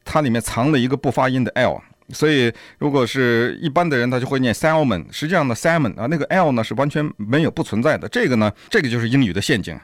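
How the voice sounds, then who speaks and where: A man's voice: mid-range voice, animated, quick pace, no room sound, clean studio sound. A man co-hosting a radio talk show, explaining points with many examples in a casual, chatty way. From China. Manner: explains with many examples, chuckles at language traps. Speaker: radio co-host.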